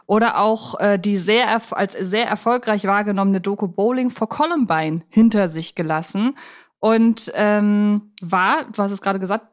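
A woman's voice: medium pitch, normal speed. Chatty female podcast co-host. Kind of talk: casual film discussion.

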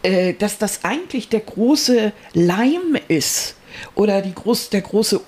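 A woman's voice: mid-range voice, animated, takes it slowly, a little mellow. A woman co-hosting a podcast, explaining ideas in a reflective way with many fillers and restarts. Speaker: podcast co-host. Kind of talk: casual conversational chat.

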